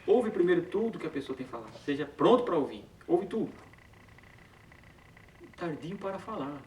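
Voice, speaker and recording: A man's voice: a little high, very animated, moderate pace, darkish tone. A man leading an informal Bible study, talking conversationally and often tagging on short questions. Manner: conversational, frequent tag questions, self-corrections. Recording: far from the mic in an echoey room with faint background noise.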